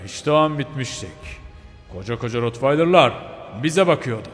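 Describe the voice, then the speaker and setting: A man's voice: mid-range voice, animated, normal speed, in a large hall, faint music behind, lightly acted. A man voicing a white pitbull dog who tells his story with regret, as game role-play narration. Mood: rueful.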